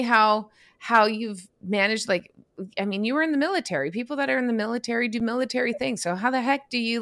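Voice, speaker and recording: A woman's voice: fairly high pitch, fairly bright tone, no echo. Chatty woman host, dry close sound. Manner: chatty, loose questions with restarts and likes. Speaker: podcast host. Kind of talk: casual interview.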